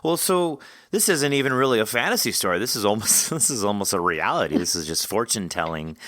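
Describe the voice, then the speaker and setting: A man's voice: fairly low pitch, lively intonation, brisk, sharp tone, dry recording. A man hosting a casual interview, reflecting informally on what the guest says and rephrasing as he goes. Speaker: podcast host interviewing an author.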